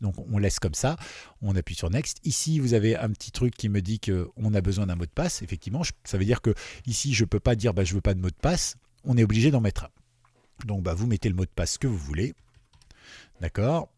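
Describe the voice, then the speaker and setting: Casual software tutor, male, low mellow voice, dry close sound, chatty, keeps checking that viewers follow. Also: breathy edge, dry recording. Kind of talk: screen-recorded software tutorial.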